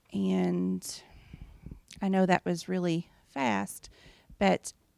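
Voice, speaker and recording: A woman with an American accent in a dry, close sound with no echo. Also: very clean recording, silent background. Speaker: teacher. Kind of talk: presentation. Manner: fast.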